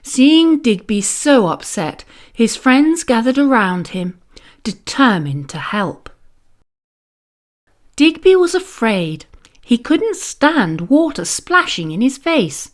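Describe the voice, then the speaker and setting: Slow, animated woman storyteller. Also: a little high. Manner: expressive, deliberate read-aloud. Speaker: children's story narrator. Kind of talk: scripted storybook narration.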